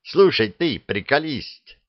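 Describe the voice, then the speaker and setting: A man's voice: medium pitch, big pitch swings, slow pace, dry recording, muffled recording, voice pushed up. A man voicing a brash, impatient young hero in a storybook reading, brusque and colloquial.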